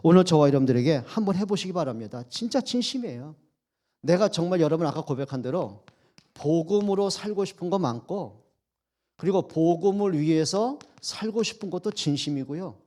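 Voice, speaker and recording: A man's voice: fairly high pitch, lively intonation, a little fast, warm tone. A man preaching a Sunday sermon in a church. He asks the congregation questions, answers them himself, and acts out quoted speech in his own voice. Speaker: pastor. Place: church sanctuary.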